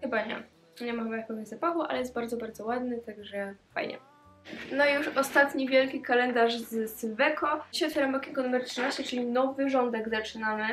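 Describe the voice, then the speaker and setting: Cheerful teenage girl vlogger, slightly high voice. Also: slight background noise. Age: teens. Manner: chatty and cheerful, with frequent "e" fillers. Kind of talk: casual unboxing vlog. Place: small bedroom indoors.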